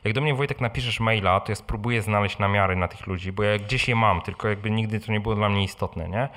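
A man with a lowish voice hosts a live question-and-answer talk. He speaks in a casual, conversational way and keeps checking in with short tag questions. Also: fast, a bit bright. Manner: informal, conversational, often adds tag questions. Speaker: blogger and podcast host answering audience questions. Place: live meeting in a room with an audience.

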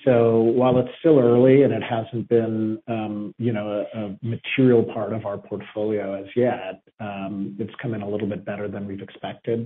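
A man answering as a company executive on an earnings call, cautious and hedging in his wording. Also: on the low side. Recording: muffled narrowband phone line.

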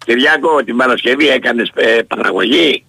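A man's voice: medium pitch, gravelly, bright, forceful tone, slightly rough, no room sound. A man calling in to a radio show to give friendly greetings, repeating his good wishes. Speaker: regular caller. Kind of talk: casual call-in greeting.

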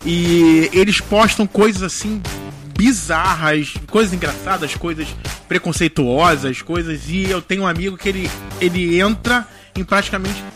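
A man co-hosting a casual podcast, giving his opinions in a relaxed way and building his point step by step. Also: high voice, normal speed, music in the background. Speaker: podcast co-host. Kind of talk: casual chat.

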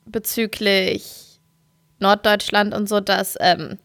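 A woman's voice: mid-range voice, fairly even intonation, takes it slowly, fairly bright tone, no echo, studio quality. A woman chatting casually and comedically as a podcast co-host, self-ironic and thinking aloud as she goes.

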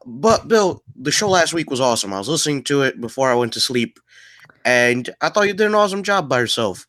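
Jokey co-host, congested, dry sound. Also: male voice, mid-range voice, very animated, a little fast, a bit bright, no echo. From New Jersey. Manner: jokey, keeps addressing the host by name. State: congested from sinus infection. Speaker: podcast co-host. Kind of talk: casual podcast banter.

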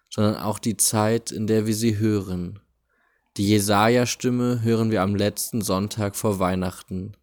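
A man hosting a podcast, reading a devotional text aloud in a deliberate, solemn way near a busy street. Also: on the low side. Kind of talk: slow, measured reading of a spiritual text.

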